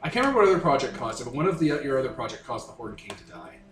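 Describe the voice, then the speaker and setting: A man narrates a tabletop game as game master in loose, colloquial, improvised talk, with sarcastic asides. His mid-pitched voice sits in a roomy, echoing space, with faint music playing behind him. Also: very animated, racing, fairly bright tone.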